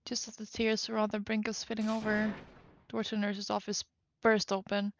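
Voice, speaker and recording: A woman's voice: mid-range voice, monotone, brisk, muffled recording, slight background noise. A woman streamer reading a game's story aloud live, narrating and doing all the parts.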